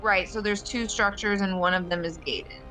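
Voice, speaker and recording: Bright-voiced female tabletop gamer. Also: mid-range voice, steady tone, normal speed, poor audio. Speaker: roleplaying game player. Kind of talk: casual game chat. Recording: music under the voice. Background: background music.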